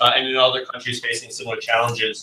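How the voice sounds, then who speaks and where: In a New Jersey accent, a man talks at a fairly quick pace. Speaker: NGO director. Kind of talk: panel presentation. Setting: meeting room with video call. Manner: fast; hesitant, many fillers.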